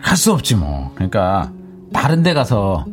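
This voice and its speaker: Pompous male music mentor, hesitant, repetitive, lively pitch, faint music behind. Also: a little slow. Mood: blunt. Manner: hesitant, with many fillers and repeats. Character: blunt, self-important middle-aged male music teachers and bosses. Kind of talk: TV reenactment acting.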